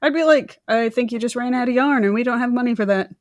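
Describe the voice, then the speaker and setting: A woman's voice: a little high, fast talker, no echo. Casual woman podcaster, close dry sound. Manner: informal, colloquial, joking asides and mimicked quotes. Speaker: true crime podcast co-host. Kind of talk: casual conversational storytelling.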